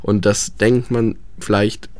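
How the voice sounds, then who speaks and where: A man's voice: fairly low pitch, level tone, slow pace, a little mellow, smooth, no echo. Young guy, dry close sound, lots of ähms, casual chat. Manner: hesitant, many ähm fillers. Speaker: guest.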